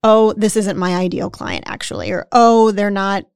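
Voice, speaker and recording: Her medium-pitched voice is clean, with lively intonation and a normal pace, recorded at studio quality with no room sound. As a podcast co-host in casual conversation, she's chatty, peppers her lines with "right?", and performs the self-talk of the people she describes.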